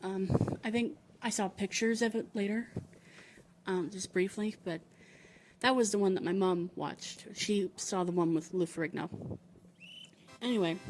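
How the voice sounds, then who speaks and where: A soft-spoken woman of medium pitch at a moderate pace, with ordinary pitch variation and long, frequent pauses. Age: 30s. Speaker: podcast host. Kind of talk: casual monologue. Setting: garage, walking around.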